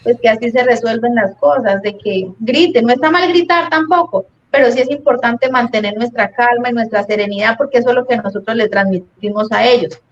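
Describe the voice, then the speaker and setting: A woman's voice: on the high side, fairly quick, few pauses. A woman psychologist, patiently explaining parenting ideas in a live-stream talk and acting out little scenes. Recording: dull lo-fi stream audio.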